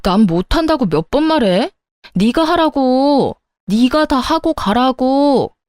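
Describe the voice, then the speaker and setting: A woman's voice: lively intonation, takes it slowly, darkish tone, no room sound, clean studio sound. A woman playing a bratty demanding sister-in-law. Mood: demanding angry. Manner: whiny, demanding and shrill. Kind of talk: audio drama acting.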